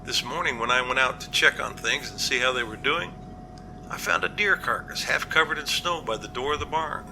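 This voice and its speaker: A man playing an earnest, cautious captain in an amateur audio drama, reporting in a measured, matter-of-fact way. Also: mid-range voice, sharp tone, a little hiss or hum, poor audio. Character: male captain, earnest, practical, cautious, plain-spoken.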